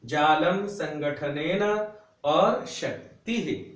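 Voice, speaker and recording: A man with a fairly high voice teaches a grammar lesson, drawing out each syllable with slow patience so students can copy along. He stands away from the microphone, and the room gives his voice a strong, roomy echo. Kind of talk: classroom lesson explaining grammar at a board. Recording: roomy echo, voice a bit far from the mic.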